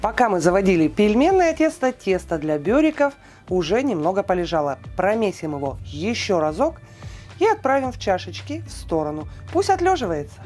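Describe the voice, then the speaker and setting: A woman giving a calm, precise step-by-step cooking voice-over, listing weights and steps, with soft music behind her. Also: mid-range voice, a little fast. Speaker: cooking channel host.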